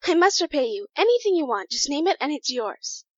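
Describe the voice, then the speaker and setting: Casting: wide-eyed newborn clone played by a woman, high and earnest, dry muffled audio drama sound. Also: very animated, brisk, no room sound. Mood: excited, grateful. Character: eager, naive young female clone.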